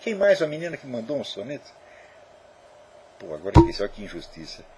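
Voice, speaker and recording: A man's voice: fairly low pitch, sing-song, fast talker, warm tone, slight background noise. Blunt, swearing man lecturing. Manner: blunt, profane, emphatic. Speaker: teacher. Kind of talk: casual lecture to students.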